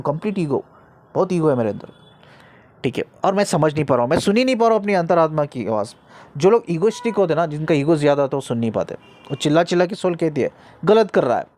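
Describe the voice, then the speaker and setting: Speaking as a spiritual guide, a man gives an earnest teaching talk, explaining things directly to the listener, repeating phrases for emphasis and checking in with them. His voice is fairly high in pitch and a little mellow.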